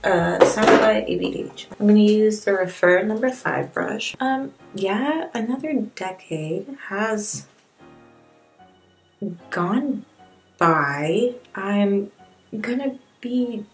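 Chatty woman with a gravelly edge. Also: medium pitch, lively intonation, slow pace, soft background music. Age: 20s. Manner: candid, rambling, wry and self-mocking. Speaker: beauty vlogger. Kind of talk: casual chatty makeup tutorial. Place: small indoor room with plain wall.

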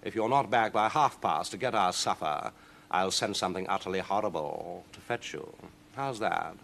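A man's voice: low voice, moderate pace, creaky, a bit bright, slight background noise. Man voicing a smug, drawling demon cat. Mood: imperious. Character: sly, imperious male demon cat, lazily taunting.

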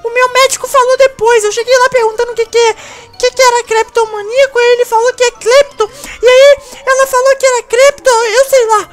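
Squeaky, whiny cartoon mouse. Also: flat delivery, fairly quick. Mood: upset, whiny. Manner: whiny, exasperated, slangy. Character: whiny, cheeky, thieving male cartoon mouse. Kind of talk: improvised Minecraft role-play.

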